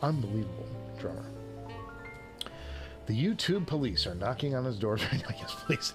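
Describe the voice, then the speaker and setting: A man's voice: mid-range voice, very animated, moderate pace, over music. A man hosting a casual livestream, chatting with viewers in a self-deprecating, joking way. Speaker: livestream show host. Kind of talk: casual chat answering viewers' live comments.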